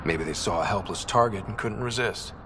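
A man playing a calm, steady space explorer leader. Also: lowish voice, a little fast, noisy background, natural voice. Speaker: expedition leader. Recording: game audio with soft music behind.

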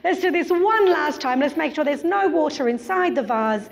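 A woman's voice: sits high, expressive, normal speed, creaky. A woman performing as a kids party magician, talking to children with theatrical, exaggerated wonder and sing-song prompting. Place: large indoor school sports hall. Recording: echoey sports hall, faint noise, children's crowd. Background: children in the audience.

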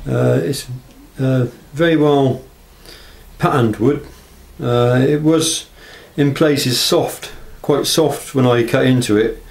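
A man's voice: medium pitch, takes it slowly. A man giving a casual, unscripted workshop show-and-tell, speaking hesitantly and with understatement. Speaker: knife maker presenting work. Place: small block-walled workshop. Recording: camera audio with clear background noise.

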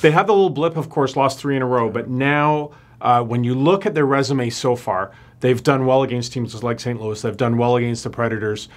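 Male sports show host, forties, relaxed studio panel voice. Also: medium pitch, fairly quick, few pauses. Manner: conversational, leading questions. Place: studio with panel seated on stools.

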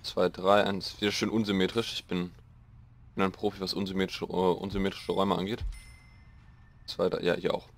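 Slightly hoarse young man, low voice. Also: little pitch movement, moderate pace. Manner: rambling, self-mocking, thinking aloud. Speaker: let's play host. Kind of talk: casual gameplay commentary.

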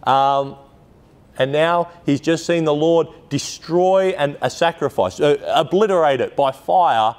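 A man's voice: on the high side, measured pace, a little mellow, clear, resonant tone. Conversational preacher, a man telling stories. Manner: conversational storytelling with frequent asides and restarts. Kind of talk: sermon.

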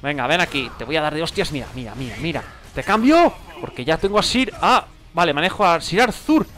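A young man with a Spain Spanish accent gives excited, slangy gameplay commentary, repeating himself and laughing often at home. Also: a little high, quick pace, soft background music. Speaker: gaming youtuber.

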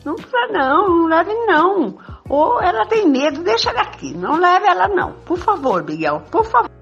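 A woman playing a bold, jealous lover in an amateur radio soap, emphatic and repeating herself, with a husky voice. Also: extremely high pitch, big pitch swings, a little fast, full character voice. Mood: scornful, pleading. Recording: dull lo-fi recording, music behind.

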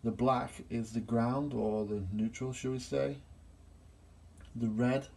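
A man's voice: mid-range voice, fairly even intonation, takes it slowly, creaky, darkish tone. A middle-aged man, a gas engineer, plainly explaining a boiler test step by step while filming on his phone in a small workshop. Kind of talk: hands-on repair demonstration. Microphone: phone camera held in hand.

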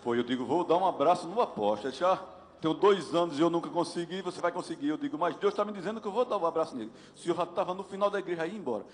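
A man's voice: on the high side, very fast. A man from Alagoas, earnestly telling his testimony and quoting himself. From Alagoas, Brazil. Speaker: congregant giving testimony. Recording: long hall reverb.

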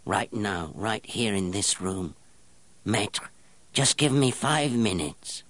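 A man voicing a strange young outcast who speaks in a quiet, pinched, rasping snarl. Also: fairly low pitch, lively intonation, takes it slowly, dry recording, pitched above the performer's own voice. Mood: hushed eager.

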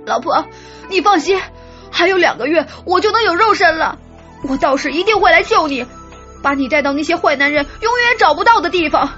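A woman's voice: extremely high pitch, lively intonation, brisk, sharp tone, highs cut off, faint music behind, heavily acted. A woman voicing a devoted, boyish young male spirit who sobs and pleads in an audiobook. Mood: tearful. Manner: sobbing, clingy and pleading. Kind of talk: audiobook dialogue.

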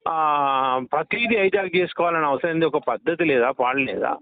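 A man's voice: a little high, moderate pace, dry recording. A man arguing his point firmly over a leaked phone call, with many hesitations. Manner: emphatic, argumentative, frequent hesitations. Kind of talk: phone conversation, opinionated.

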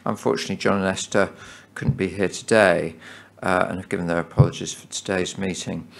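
Deep gravelly man chairing a meeting. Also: steady tone, fairly quick. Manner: hesitant, many fillers. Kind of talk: formal meeting address. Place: meeting hall.

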